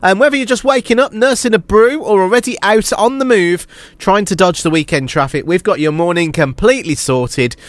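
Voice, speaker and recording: A man's voice: high-pitched, fairly quick, dry recording. A British man hosting a casual live radio show, sounding nasal and blocked up with a cold, as if his nose were pinched. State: congested with a cold. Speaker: radio host. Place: radio studio.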